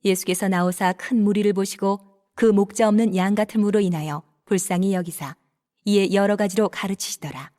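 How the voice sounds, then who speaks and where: Casting: woman narrator, middle pitch, steady formal scripture reading. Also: moderate pace.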